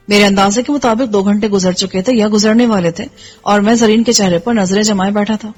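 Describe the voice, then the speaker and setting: Breathy woman narrating an action novel. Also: medium pitch. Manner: steady storytelling. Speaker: story narrator. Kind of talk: scripted first-person narration of an action novel.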